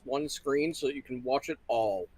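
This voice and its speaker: A man's voice: mid-range voice, moderate pace, a little mellow, no room sound. A man chatting casually as a panelist on an online call, with a dry, wry way of joking. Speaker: livestream panelist. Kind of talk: casual chat.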